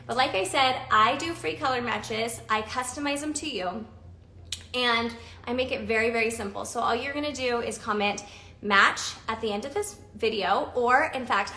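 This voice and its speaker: A woman's voice: on the high side, a little fast, pushed and bright, echoey room, slight background noise. A woman in her forties hosting a casual live stream, chatty and bubbly, laughing often as she talks through makeup. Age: 40s.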